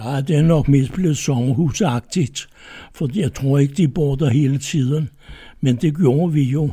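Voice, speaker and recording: At a fairly slow pace, a man speaks in a somewhat breathy voice that is dark and mellow in tone, fairly high in pitch, and ordinary in pitch variation. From Bornholm, Denmark (Ibsker). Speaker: elderly man telling his life story. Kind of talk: life-story interview.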